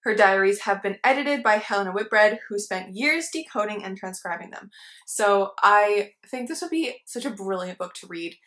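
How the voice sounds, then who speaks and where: A woman's voice: medium pitch, moderate pace, a bit bright. A woman in her twenties, a book vlogger talking casually to camera at home, chatty and laughing often between words. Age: 20s. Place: living room with armchairs and a plant.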